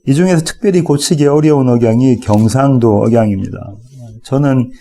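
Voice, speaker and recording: A man from South Korea, a pastor giving an expository sermon in a relaxed, conversational way with touches of humor. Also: mid-range voice, a little fast.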